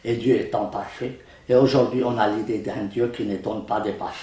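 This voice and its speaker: An older man whose first language is Arabic, speaking in a casual interview as a translator, animated and joking with vivid comparisons. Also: fairly low pitch, fairly quick. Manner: animated, laughs often, jokes with vivid comparisons. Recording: roomy sound from some distance.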